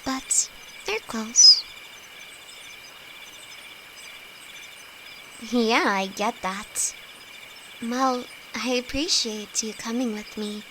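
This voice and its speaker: Woman acting as timid young female alchemist, audio roleplay, high voice, slow halting delivery, nervous stammer, affectionate, clear insect noise behind. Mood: shy, nervous. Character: timid, easily frightened young female apprentice alchemist, affectionate best friend. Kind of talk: intimate audio roleplay acting addressed to the listener. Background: night forest ambience with crickets.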